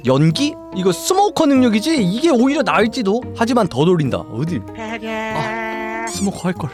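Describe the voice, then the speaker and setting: A young adult woman giving casual gameplay commentary, talking to herself and shouting at the game. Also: a little high, sing-song, normal speed. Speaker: game streamer. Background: game music.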